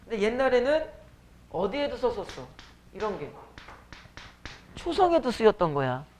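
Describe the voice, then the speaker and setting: A man teaching a high school Korean class, lecturing casually with joking asides to his students. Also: sing-song, moderate pace, darkish tone, slight background noise. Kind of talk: classroom lecture with teasing banter. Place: academy classroom.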